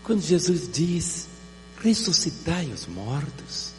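A man's voice: on the high side, very animated, slow pace, fairly bright tone. A male pastor with a Brazilian accent preaching a sermon, emphatic and full of repeated rhetorical questions. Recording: reverberant hall with faint mains hum.

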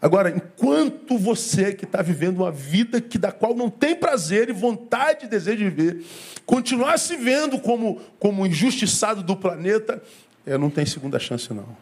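This man has a Brazilian Portuguese accent and a high, sing-song voice that is slightly rough, delivered at a moderate pace. He is a pastor preaching a sermon, telling a story in which he acts out the dialogue and repeats phrases often.

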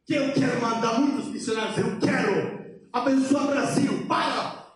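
A high-voiced man delivers a fervent church sermon as a missionary preacher. His Portuguese is halting and non-native, with a Polish accent, and his delivery is emphatic. He sounds away from the microphone in a very reverberant space. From Poland. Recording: very echoey hall, distant, faint noise.

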